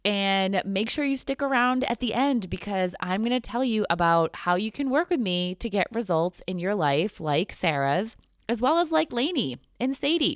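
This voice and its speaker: A woman hosting a podcast, reading a scripted intro and then chatting with a guest, upbeat and quick to laugh. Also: a little high, dry recording, clean studio sound. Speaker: podcast host.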